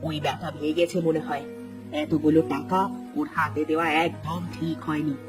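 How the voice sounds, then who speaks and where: A woman voicing a landlord's caring wife in a cartoon, gentle and reassuring. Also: deep voice, flat delivery, normal speed, over music, close to an everyday voice. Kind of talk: dubbed cartoon acting.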